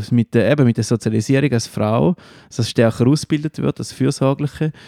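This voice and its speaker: Heard in a very clean recording with a silent background and a dry, close sound with no echo, a man speaks in a dark, mellow tone with lively intonation. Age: 30s. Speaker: podcast co-host, musician. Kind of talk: casual chat.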